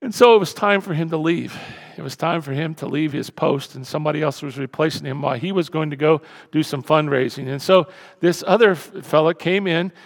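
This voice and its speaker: Pastor de voz rouca em salão com eco. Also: male voice, fairly high pitch, brisk, creaky. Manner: animated, repetitive, swings from loud to hushed. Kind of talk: sermon. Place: church sanctuary. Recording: reverberant church hall.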